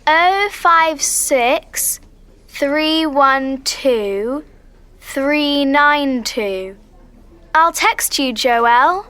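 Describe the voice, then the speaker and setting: A friendly teen girl, slow and high. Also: animated, bright, forceful tone, full character voice. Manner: slow, carefully spoken. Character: friendly teenage girl making plans. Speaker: voice actor in textbook audio. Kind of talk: scripted dialogue for learners.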